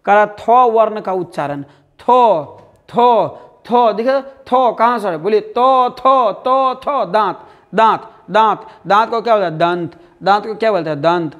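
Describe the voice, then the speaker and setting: A man's voice: sits high, normal speed, fairly bright tone. A male teacher with a Bihari accent giving an exam-prep lesson. He repeats words over and over and keeps asking his students questions, calling them "dear". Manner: drills answers, repeating words and asking the class.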